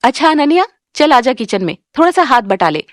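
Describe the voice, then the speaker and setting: A woman voicing a cruel, scolding middle-aged stepmother in an animated story. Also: high voice, fairly quick, no room sound, studio quality. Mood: falsely sweet. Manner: scolding, sneering.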